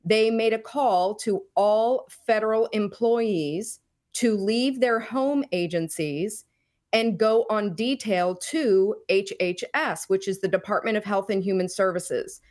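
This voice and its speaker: A middle-aged woman speaking as an interview guest, explaining her own experience with deliberate, emphatic phrasing. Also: mid-range voice, darkish tone. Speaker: podcast guest, whistleblower. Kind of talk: explanatory personal account in an interview.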